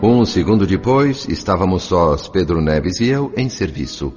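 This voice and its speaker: A Brazilian actor playing a humble, compassionate spirit who narrates a dramatised audiobook in an earnest, literary and expressive manner. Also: male voice, sits low, moderate pace. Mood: compassionate, solemn. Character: André, compassionate male spirit narrator, humble, devoted helper. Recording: dull lo-fi sound with music. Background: background music.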